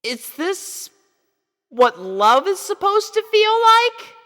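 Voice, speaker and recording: An anxious little cartoon filly, acted by a woman, with a high, bright voice that swings widely in pitch. The filly speaks in an earnest, hesitant way, like a storybook child in love, in a space with long reverb. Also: sing-song, slow, heavily acted. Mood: anxious, wondering. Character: anxious lovestruck little pony filly, young girl.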